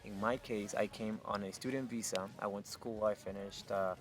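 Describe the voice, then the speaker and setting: A young man from Honduras speaks in a lowish voice, answering at an easy pace and pausing often with fillers. Music plays clearly in the background behind him. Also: fairly even intonation. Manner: thoughtful, searching for words with fillers. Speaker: interview guest. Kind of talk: casual interview chat.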